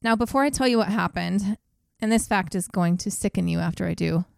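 A woman's voice: mid-range voice, a little fast, vocal fry, darkish tone, no room sound, clean studio sound. A woman co-hosting a podcast, telling a true crime case in a blunt, casual way with swearing. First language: English. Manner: blunt, swears, laughs at grim moments.

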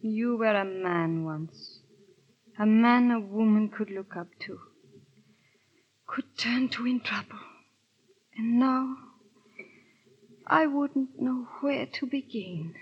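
An actress playing a proud, exasperated aristocratic wife with an intense, emotional delivery, in 1930s radio drama style. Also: female voice, a little high, lively intonation, normal speed, lo-fi sound. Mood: sorrowful.

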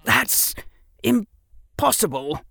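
A man's voice: sits high, very animated, very slow, vocal fry, sharp tone, no room sound, clean studio sound, voice pushed up, full character voice. Man voicing a shaken aristocratic wizard boy. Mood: awed, shaken. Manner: wavering, whispering in awe.

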